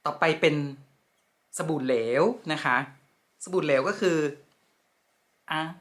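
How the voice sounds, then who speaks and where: A woman teaching pronunciation in a lesson, speaking slowly and deliberately and repeating each word carefully. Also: sits low, a little hiss or hum. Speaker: French language teacher.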